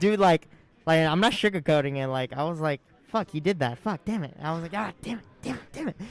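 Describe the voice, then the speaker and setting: At a fairly quick pace, a man speaks with a fairly high pitch and ordinary pitch variation, in a dry, close sound with no echo. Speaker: competitive video game player. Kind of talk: casual chat. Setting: at a local gaming tournament. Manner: fast.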